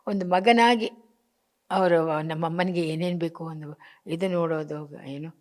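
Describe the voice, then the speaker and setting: A woman's voice: fairly low pitch, fairly even intonation, measured pace, darkish tone. An older actress, talking about her late husband in an emotional interview and acting out his remembered words, with English phrases mixed in. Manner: mixes in English phrases, acts out remembered dialogue.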